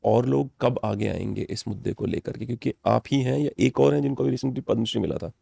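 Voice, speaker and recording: A male podcast host asks probing questions in a halting manner, restarting as he goes. His voice is heavily gravelly and dark in tone, recorded close and dry. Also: medium pitch, dry recording.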